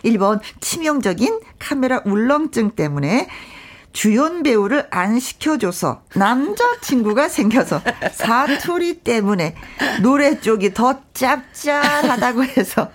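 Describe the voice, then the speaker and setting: Middle-aged female radio host, bright and lively, somewhat high voice. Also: a little slow. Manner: bright, lively, laughs often. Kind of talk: radio show, reading listener texts. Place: radio studio.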